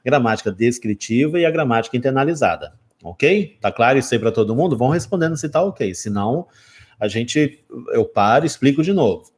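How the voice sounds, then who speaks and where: A man's voice: mid-range voice, lively intonation, fairly quick. A man in his forties with a Brazilian Portuguese accent, an English teacher giving a live online lesson who keeps checking in with his viewers. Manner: explanatory, checks in often with "ok?".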